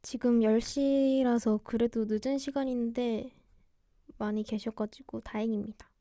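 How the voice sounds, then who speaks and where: Young female idol DJ for a cozy late radio chat: quiet-spoken, gentle, warm mellow tone, dry recording. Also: fairly high pitch, fairly even intonation, measured pace, no echo. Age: young adult. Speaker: radio DJ host, idol singer livestreaming. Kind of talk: cozy radio-show style livestream chat.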